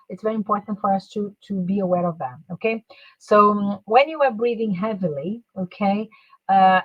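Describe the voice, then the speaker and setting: A woman, giving a career coaching talk on a live stream and switching into slow English, with frequent "né" and "ok" tags. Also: medium pitch, dry recording, muffled recording. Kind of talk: live online talk, mixing Portuguese and English.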